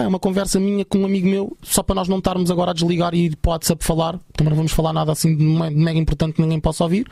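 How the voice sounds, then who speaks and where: Fast-talking gravelly young Portuguese man. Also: high voice, darkish tone, no echo, studio quality. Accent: European Portuguese. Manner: chatty, many fillers, slangy. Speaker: guest musician. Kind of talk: casual storytelling.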